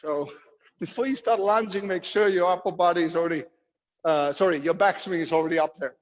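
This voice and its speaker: A man's voice: high voice, a little fast. A man coaching a fitness workout, giving instructions and calling out drills in short commands with encouragement. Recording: muffled, echoey hall sound.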